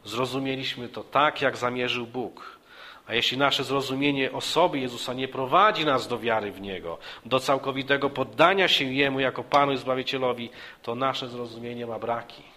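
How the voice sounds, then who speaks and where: A male preacher delivers a sermon in a bright, forceful voice. He speaks earnestly, restarting words and repeating phrases as he goes. His voice rises for emphasis, then sinks low and soft. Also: moderate pace.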